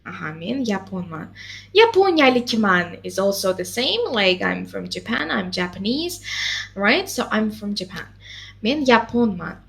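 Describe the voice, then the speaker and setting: Patient woman tutor, lively and slow. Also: mid-range voice, gravelly. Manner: patient, encouraging, lots of mm-hmms and checks. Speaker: language teacher. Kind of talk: one-on-one language lesson.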